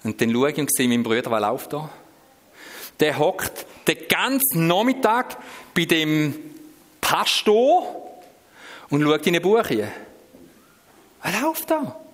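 A middle-aged Swiss man with a Swiss German accent tells his own story to an audience. His voice is mid-pitched and lively, rising and falling a great deal as he moves from quiet asides to sudden outbursts. The sound carries a long echo from a large hall. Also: a little slow, pauses often. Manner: animated storytelling, swinging from hushed asides to sudden shouts. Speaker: speaker giving a personal testimony. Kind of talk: personal testimony to an audience. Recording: reverberant hall.

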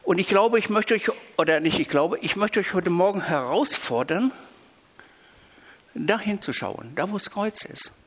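A man from Switzerland, preaching a sermon with emphatic, drawn-out stressed phrases. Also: sits high, lively intonation, fairly bright tone. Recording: reverberant hall.

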